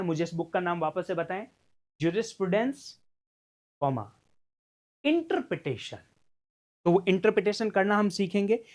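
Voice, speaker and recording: A man giving a recorded law lecture in a conversational way, often asking his students rhetorical questions and mixing English legal terms into his talk. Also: sits high. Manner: mixes English legal terms into Hindi speech. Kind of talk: recorded exam-prep lecture.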